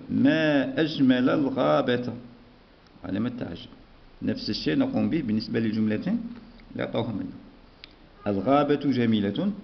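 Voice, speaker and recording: A man's voice: mid-range voice, vocal fry. A man teaching a primary school lesson, patiently dictating and repeating words. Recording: dull lo-fi recording.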